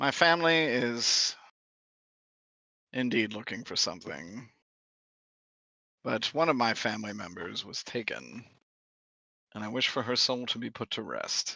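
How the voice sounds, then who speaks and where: Using a put-on character voice, a man speaks at a medium pitch in a raspy tone. His pace is moderate, broken by long, frequent pauses. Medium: actual play. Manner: formal, measured.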